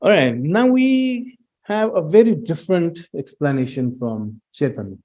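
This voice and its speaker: A middle-aged man presenting research findings at an academic talk, pausing often with fillers and restarts. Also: a little high, sing-song, a little mellow. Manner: hesitant, many fillers and restarts, reads out student quotes.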